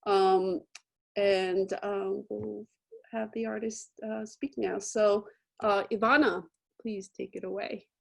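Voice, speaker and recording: Slow, halting woman moderator. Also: mid-range voice, steady tone, creaky. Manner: slow, halting, searching for words. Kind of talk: online panel introduction. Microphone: computer mic on a video call.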